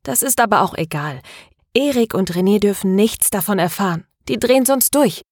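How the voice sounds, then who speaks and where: A woman's voice: medium pitch, lively intonation, normal speed, a little mellow, no room sound, studio quality, pitched above the performer's own voice, lightly acted. A woman narrator voicing a troubled young woman who hesitantly confides in her best friend.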